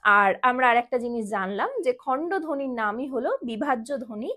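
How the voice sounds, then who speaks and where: High-voiced woman teaching a class. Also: animated, bright, forceful tone. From West Bengal. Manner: explains slowly, repeats key points, asks students questions. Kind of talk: classroom lecture.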